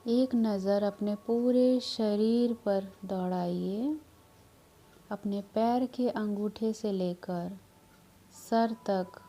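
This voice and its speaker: Very slow, soothing woman guiding meditation. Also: mid-range voice, mellow. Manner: soothing, measured, with long pauses. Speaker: meditation guide. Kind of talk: guided meditation, hypnotic relaxation instruction. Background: background music.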